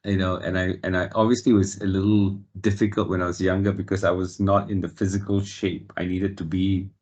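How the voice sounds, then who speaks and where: A man in his fifties from Singapore, answering interview questions in a measured, reflective way with frequent fillers. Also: deep voice, little pitch movement, a little mellow. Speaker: guest.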